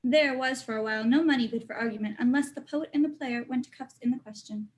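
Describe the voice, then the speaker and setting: Woman as young courtier, deferential, courteous, measured, higher-pitched, Shakespeare stage reading. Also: natural voice. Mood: informative, polite. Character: deferential young courtier, Hamlet's old schoolfriend.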